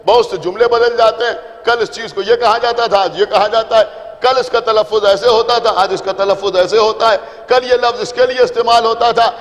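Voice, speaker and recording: A male preacher with a Lucknow Urdu accent giving a sermon to a seated congregation, explaining things simply, repeating his points and checking that the audience follows. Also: high voice. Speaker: Shia preacher addressing a majlis. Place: large imambara hall. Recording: reverberant hall.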